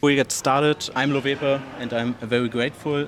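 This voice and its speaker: At a moderate pace and medium pitch, a man with a non-native accent speaks over noticeable background noise. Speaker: interviewer. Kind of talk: interview. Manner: halting.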